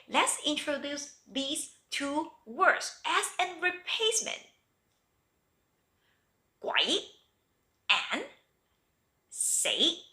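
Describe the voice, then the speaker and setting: A woman teaches a bilingual language lesson at an unhurried pace, saying each example phrase twice. Her voice sits a little high and moves a lot, rising and falling as she explains. The recording carries a noticeable room echo. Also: sharp tone. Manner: slow, clear teaching with repeated example phrases.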